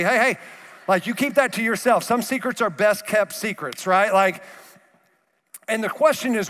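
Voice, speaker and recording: A middle-aged male pastor preaching a sermon, conversational and animated, acting out the voices he quotes. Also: sits high. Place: large church hall. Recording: long hall reverb.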